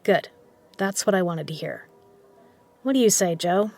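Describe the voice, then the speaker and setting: A woman playing a shrewd poker legend who runs an underground casino, speaking in a measured, persuasive way in a scripted audio drama. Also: fairly low pitch, expressive, gravelly, a little mellow, soft background music. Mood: resolute, persuasive.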